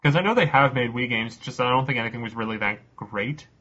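A man with a bright, forward voice and a husky edge hosts a casual podcast quiz. He reads the questions out slowly and cusses offhandedly between laughs. The audio is a little dull and lo-fi. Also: medium pitch. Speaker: quiz host.

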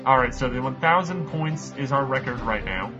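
A man's voice: mid-range voice, lively intonation, moderate pace, lo-fi sound, over music. A man hosting a casual podcast quiz game, rambling through the rules with lots of fillers. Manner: rambling, many uh fillers, loose explaining. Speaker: quiz show host.

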